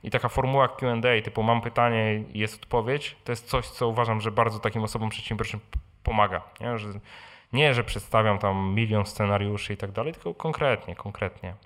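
Fielding audience questions about personal finance at a live event, this host talks informally, repeats himself and frequently adds quick tag questions. He has a lowish, slightly bright voice with fairly even intonation and a somewhat fast pace.

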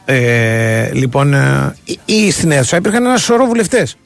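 A man's voice: mid-range voice, gravelly, no room sound, soft background music. A man co-hosting a radio show, arguing his point insistently in a heated studio debate. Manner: insistent, argumentative, talks over his partner. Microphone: studio microphone.

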